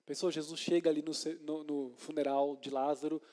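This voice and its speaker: Male deacon, mellow and somewhat high, chatty sermon style, keeps asking "right?", acts out scenes. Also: a little fast. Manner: conversational preaching with frequent tag questions; retells scripture in lively dramatized scenes. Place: church.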